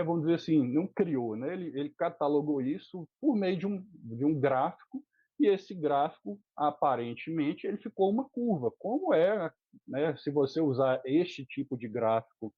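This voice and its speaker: A man's voice: on the high side, slightly rough, no echo. A man with a Brazilian Portuguese accent, a guest teacher explaining in an interview, earnest and critical, with many filler words. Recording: tinny phone-like dry line.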